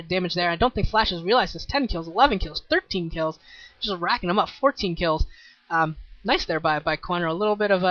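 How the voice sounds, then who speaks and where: A man casting a video game match solo, rambling and repeating words, with excited bursts and a voice starting to tire. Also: high-pitched, no room sound, lo-fi sound. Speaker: esports caster. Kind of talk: solo play-by-play commentary.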